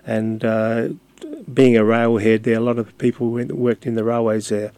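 Hesitant older man, flat voice. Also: mid-range voice, moderate pace, no echo. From Australia. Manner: hesitant, many fillers and restarts. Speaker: community radio guest. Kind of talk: casual interview talk.

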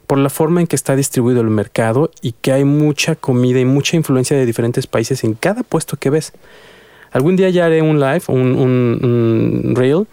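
A man's voice: mid-range voice, warm tone, dry recording. A man hosting a casual radio interview, chatty and hesitant, with many restarts. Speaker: radio show host. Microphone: studio microphone.

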